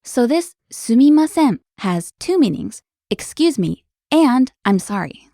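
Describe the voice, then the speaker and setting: A woman with a slightly high voice hosts a language lesson, explaining each word in a clear, upbeat way. The sound is close and dry, with no room around it. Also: sing-song, unhurried, warm tone, no echo. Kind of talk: scripted lesson dialogue.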